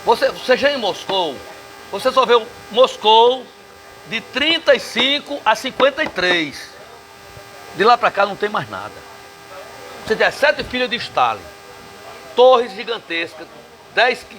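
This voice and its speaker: Northeastern Brazilian man, guest: bright, forceful voice, emphatic and combative, swears freely. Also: high-pitched, big pitch swings, moderate pace, slight background noise, low-quality recording. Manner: emphatic, combative, salty language. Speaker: interview guest. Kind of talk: casual bar interview. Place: bar.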